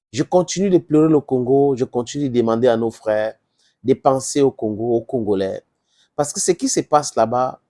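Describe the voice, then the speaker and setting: In a mellow, medium-pitched voice, a Cameroonian-accented commentator from Southern Cameroon, a first-language English speaker, speaks to his viewers about politics. The commentary is informal and impassioned, driven by rhetorical questions and repeated emphasis.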